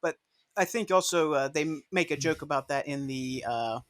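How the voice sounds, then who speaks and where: Bright-voiced man in casual podcast chat. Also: fairly high pitch, moderate pace. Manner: rambling, laughs often, trails off with fillers. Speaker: podcast host.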